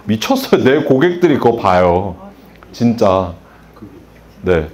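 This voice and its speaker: Speaking slowly in a lowish, slightly mellow voice, a middle-aged man leads a salon business workshop with great animation. He quizzes the audience and role-plays conversations with customers.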